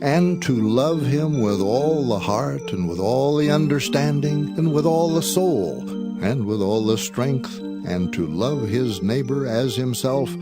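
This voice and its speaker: A man playing an earnest, respectful religious scholar, speaking deliberately in a dramatized scripture reading. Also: mid-range voice, expressive. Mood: earnest, approving. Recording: voice over loud background music.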